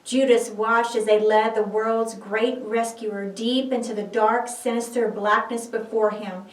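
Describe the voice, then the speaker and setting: A woman's voice: on the high side, steady tone, measured pace. A woman reading a scripted, dramatic Bible story in a solemn, theatrical storytelling manner. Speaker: narrator. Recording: echoey room, distant microphone.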